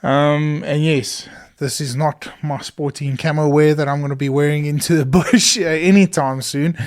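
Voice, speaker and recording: A hoarse man, talking earnestly and enthusiastically in a solo podcast from a studio. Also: fairly high pitch, steady tone, normal speed. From South Africa. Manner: earnest and enthusiastic, many fillers. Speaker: podcast host. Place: small studio.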